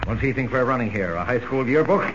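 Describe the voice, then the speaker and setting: An actor playing a blustering, sarcastic newspaper editor with a gruff manner, in 1940s radio acting. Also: male voice, mid-range voice, animated, fast talker, close to an everyday voice. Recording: dull, hissy old radio recording.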